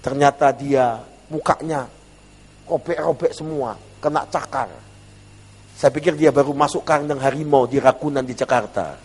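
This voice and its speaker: A male pastor giving a humorous, animated sermon in a church, often calling out to the congregation. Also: medium pitch, moderate pace, breathy edge. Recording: long church reverb.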